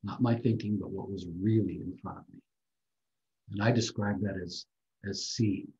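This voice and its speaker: An older man giving a reflective talk on a video call, speaking softly and gently. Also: lowish voice, fairly even intonation, gravelly, lo-fi sound. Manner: soft-spoken, slow and gentle. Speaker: guest speaker.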